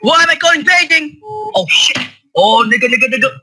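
A man making prank calls on a group voice chat, talking casually in a crude, halting way full of swearing. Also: extremely high pitch, very animated. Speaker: prank caller. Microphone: computer mic on an online voice call.

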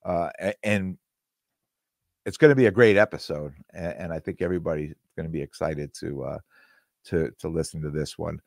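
Hoarse, rambling male podcast host. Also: a bass voice, normal speed, a little mellow, no room sound. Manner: rambling, repeats and restarts words. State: slightly hoarse, losing his voice. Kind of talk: solo podcast monologue. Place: small room with green-screen backdrop. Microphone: studio mic on boom arm. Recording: dry close-miked sound.

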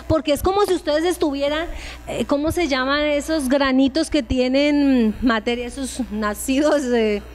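Colombian woman, high voice, informal lecturer who talks straight to her audience. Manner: addresses listeners directly with questions; acts out short dialogues in changed voices. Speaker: speaker giving a talk to tutors. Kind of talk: informal lecture on emotional support.

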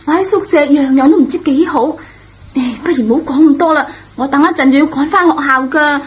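A woman's voice: sits high, a little fast, natural voice. A woman playing an earnest, anxious young schoolgirl in a radio drama. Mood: eager, reassuring. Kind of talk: Cantonese radio drama acting. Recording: dull, lo-fi old radio recording.

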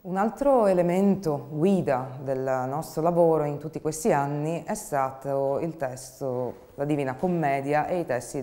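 A woman's voice: sits low, dark tone. A woman in her thirties, a theatre artist, talking reflectively in an interview about her work. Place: dark indoor studio.

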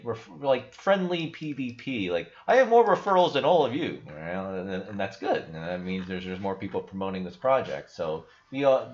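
A man's voice: on the low side, lo-fi sound. A young man hosting a casual screen-share video, talking frankly and rambling with lots of fillers, recorded at his desk in a small room. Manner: rambling, frank, peppered with "like" and "you know". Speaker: crypto video host.

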